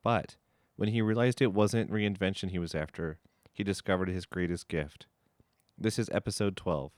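A man opens a storytelling podcast with a scripted introduction. He reads in a measured, even way, and his voice sits very low. The recording is close and dry. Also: no room sound. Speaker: podcast host.

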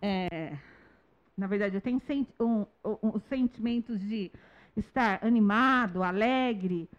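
A woman, a childcare teacher giving a gentle talk to parents and acting out calm talks with children. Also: medium pitch, measured pace. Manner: gentle explaining tone, acts out dialogues with children. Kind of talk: talk to parents on nonviolent communication. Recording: dull lo-fi sound.

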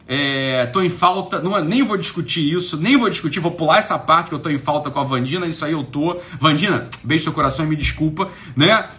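Quick and nearly pause-free, a man with a Brazilian accent hosts a live stream in a slightly bright, high-leaning voice. He talks casually and with emphasis, swearing often and repeatedly asking whether you follow.

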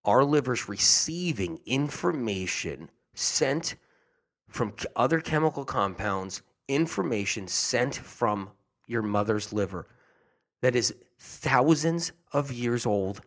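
A man's voice: lowish voice, lively intonation, unhurried, a bit bright. A man talking casually and earnestly to his audience about health, rambling and often repeating himself. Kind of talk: casual monologue.

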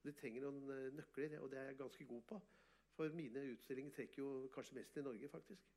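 A man, an artist and photographer, telling animated, boastful stories in an interview and often laughing. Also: mid-range voice. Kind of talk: casual storytelling interview.

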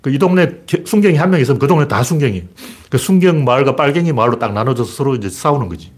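A man talks through a loose commentary monologue, rambling and blunt. His voice is husky, and his pitch jumps around a lot as he lays out sharp opinions with homespun asides. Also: lively intonation, fast talker. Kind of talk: casual spoken commentary monologue.

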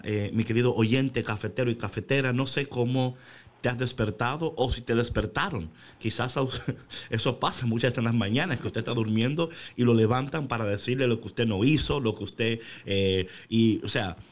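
A man co-hosting a casual faith chat on the radio, animated and slipping into English phrases. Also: medium pitch, normal speed. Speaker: radio devotional co-host.

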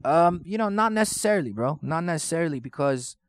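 A man's voice: a little high, lively intonation, quick pace, no room sound, clean studio sound. A man who grew up in the Netherlands, a rapper guest talking casually in street slang, peppered with swearing and "you know what I'm saying". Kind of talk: casual interview chat.

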